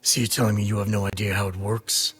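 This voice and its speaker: An actor playing a cold, mocking, volatile convict gang leader in a video game, raspy and threatening. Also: male voice, fairly low pitch, flat delivery, fast, fairly bright tone, faint music behind. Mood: cold interrogation. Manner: taunting, threatening. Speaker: villain. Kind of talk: dramatic game cutscene acting.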